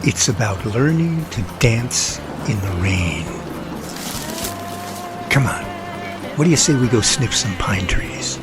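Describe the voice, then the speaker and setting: A man's voice: fairly low pitch, animated, takes it slowly, pauses often, over loud music. A man acting in an audio drama as a playful, curious, romantic young man.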